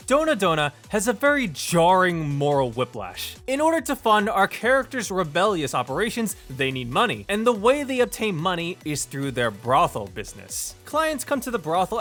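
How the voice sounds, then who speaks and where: A man's voice: high voice, fairly bright tone. A man narrating a scripted video review in a wry, emphatic way. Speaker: visual novel reviewer. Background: music.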